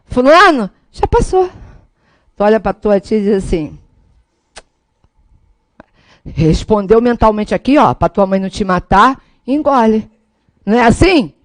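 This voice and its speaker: A woman teaching law in a lively, motivational classroom lecture, speaking straight to her students with a Brazilian Portuguese accent. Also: mid-range voice, a little slow, long pauses, no echo.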